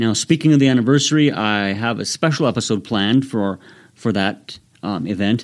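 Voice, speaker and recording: An unremarkable speaking voice from a man, medium in pitch, with ordinary pitch variation and a moderate pace. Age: young. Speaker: history podcast host. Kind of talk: scripted narration. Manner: frequent filler ums.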